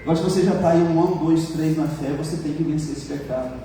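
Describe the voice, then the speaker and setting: A Brazilian man preaches a sermon as pastor, speaking fast in a fairly even, high-leaning voice with a warm tone, while soft music plays behind him. His Brazilian Portuguese-accented delivery is colloquial and joking, weaving in personal testimony and building to emphatic exhortation. He's recorded from far off in an echoey church hall.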